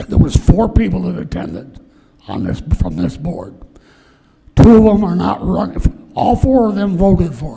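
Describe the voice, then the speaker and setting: Over noticeable background noise, a man with an American accent speaks at a moderate pace with big swings in loudness. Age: 70s. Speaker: township board candidate. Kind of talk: candidate forum answer. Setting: public forum with audience. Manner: halting, repetitive.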